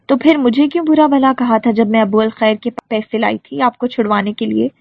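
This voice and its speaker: A woman voicing a defiant young woman who furiously accuses her leader in an audiobook, with a husky, gravelly voice on a tinny recording. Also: a little high, steady tone, no room sound. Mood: accusing. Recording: dry tinny phone-like recording.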